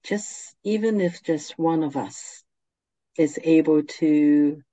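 A meditation guide speaking in a soft, soothing, gentle way, unhurried and with long pauses. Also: medium pitch, no echo, poor audio.

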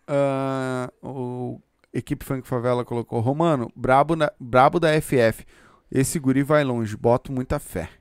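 A man's voice: mid-range voice, fairly even intonation, measured pace, clear, resonant tone, no echo. Male host, playful and loose, dry studio sound. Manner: joking, laughs easily, reads shout-outs. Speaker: podcast host. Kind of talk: casual chat.

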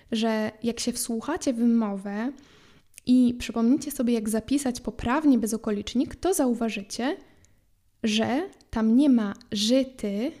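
A woman teaching French in a podcast lesson, explaining grammar clearly and spelling out letters slowly. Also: fairly high pitch, dark tone.

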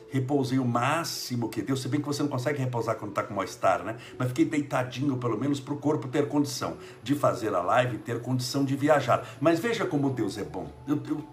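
A Brazilian man with a cold gives an informal live spiritual talk as host, preaching and repeating phrases for emphasis. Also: medium pitch. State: sick with a cold. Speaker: religious livestream host.

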